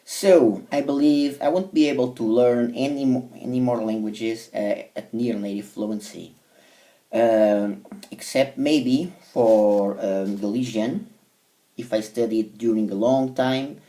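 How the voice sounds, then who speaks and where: Vlogger: Portuguese-accented man, native Portuguese, hesitant and filler-heavy, mellow voice, slightly distant mic. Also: mid-range voice, measured pace. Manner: hesitant, many fillers and restarts. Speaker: language learner vlogger. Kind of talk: casual monologue to camera.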